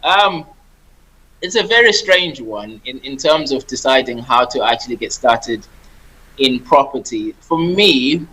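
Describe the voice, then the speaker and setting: A man's voice: mid-range voice, lively intonation, measured pace, pushed and bright, breathy edge, low-quality recording. A married man from Zimbabwe, a property investor and former engineer, talking as a guest on a radio show in a friendly, chatty way. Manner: friendly, laughing, talkative, repeats words. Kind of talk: radio interview.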